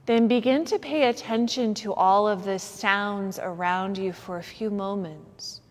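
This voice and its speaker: A woman leads a guided relaxation as a yoga nidra teacher. Her delivery is very slow and soothing, with gentle instructions and room left between phrases. Her medium-pitched voice carries a long, hall-like reverb. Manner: soothing, gentle, unhurried guiding with pauses.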